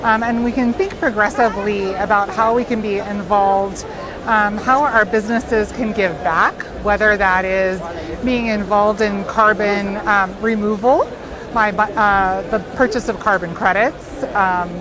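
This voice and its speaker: A woman from Missouri in the private sector, speaking in a friendly street interview with many hesitant pauses. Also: medium pitch, steady tone, rough recording. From Missouri, United States. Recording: crowd chatter.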